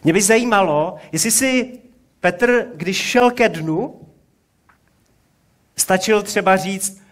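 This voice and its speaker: A man in his forties, whose voice sits high, preaches a sermon. His delivery is relaxed and conversational, and he poses rhetorical questions.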